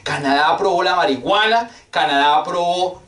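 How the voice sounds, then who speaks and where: A man's voice: a little high, moderate pace, a bit bright. A man preaching a sermon, fervent and emphatic, with rhetorical questions and lots of repetition. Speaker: pastor. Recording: echoey room, mic at a distance.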